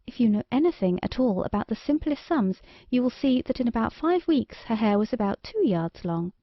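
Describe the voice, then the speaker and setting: A woman's voice: on the high side, big pitch swings, a little fast, dry recording, dull audio. Woman narrating a storybook, very dry sound. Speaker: audiobook narrator.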